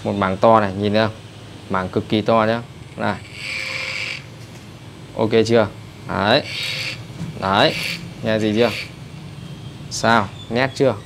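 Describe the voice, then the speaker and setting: Northern Vietnamese man, barber teaching while cutting, slightly low voice, noisy salon recording with clipper buzz. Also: steady tone, creaky. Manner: brisk, chatty, addresses viewers as brothers. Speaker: barber instructor. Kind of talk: hands-on haircut tutorial. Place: barbershop indoors.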